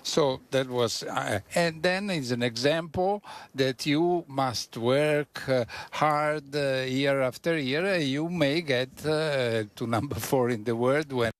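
Halting man tennis analyst. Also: mid-range voice. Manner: halting, full of fillers and restarts. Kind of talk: studio discussion.

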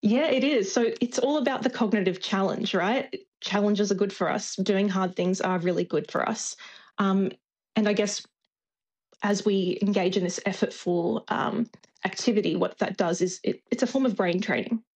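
A woman's voice: medium pitch, normal speed, a little mellow, breathy edge. A woman who is a researcher explaining her field on a radio interview, with plenty of fillers. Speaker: researcher guest.

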